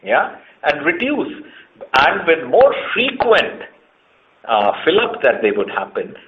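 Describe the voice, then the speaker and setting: An Indian man speaking as a company chief executive on an earnings call, explaining emphatically and setting out his points one by one. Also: fairly high pitch. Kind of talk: earnings conference call answers. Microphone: conference call line. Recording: muffled, band-limited conference call audio.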